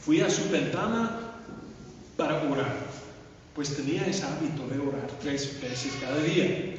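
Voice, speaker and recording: A man preaching a sermon in halting Spanish as a second language, with English fillers slipping in, in a church sanctuary. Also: fairly high pitch, lively intonation, slight background noise. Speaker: pastor. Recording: echoey, distant, muffled church livestream.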